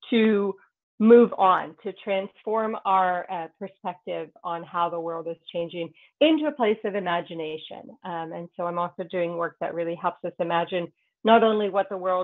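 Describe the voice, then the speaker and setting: A woman speaks against a quiet background. Her pitch varies in an ordinary way, while her loudness swings widely. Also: moderate pace. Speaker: presenter. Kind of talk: conference presentation. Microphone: video call.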